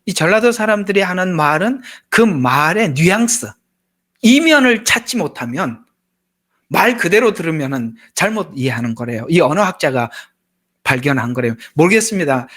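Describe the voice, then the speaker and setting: A man's voice: on the high side, expressive, normal speed, a bit bright. A male pastor, preaching a sermon in a chatty, joking way with asides to the congregation. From Gyeongsang region, Korea.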